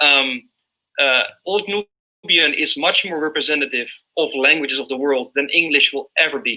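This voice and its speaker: With a Dutch accent, a man speaks at a moderate pace and a fairly high pitch. His tone is bright and sharp, with ordinary pitch variation. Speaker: linguistics lecturer. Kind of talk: lecture. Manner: halting, many fillers and repetitions; casual, animated.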